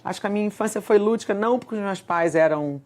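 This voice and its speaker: A middle-aged woman with a Rio de Janeiro accent, a guest in a TV studio interview, speaking in a reflective, measured way with frequent restarts. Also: mid-range voice, a little mellow. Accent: Brazilian Portuguese, Rio de Janeiro. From Brazil. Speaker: guest, screenwriter and editor. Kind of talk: interview conversation. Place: television studio.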